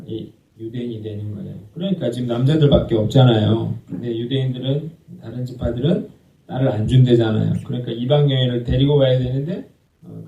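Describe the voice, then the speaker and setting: A male pastor with a mellow voice and a slight gravelly edge gives a sermon. He asks the congregation questions and answers them himself. He was recorded from a distance, with a church hall echoing around him. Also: mid-range voice, lo-fi sound. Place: church sanctuary.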